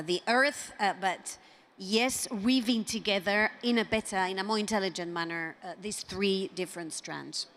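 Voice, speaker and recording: A woman's voice: medium pitch, a bit bright. Woman speaking at a policy panel. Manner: measured, with many fillers and restarts. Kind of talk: panel discussion remarks. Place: conference hall.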